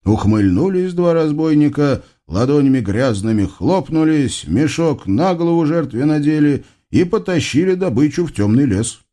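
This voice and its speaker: A man's voice: a little high, lively intonation, moderate pace, few pauses, mellow. A man telling a story in a playful, colorful narrating style.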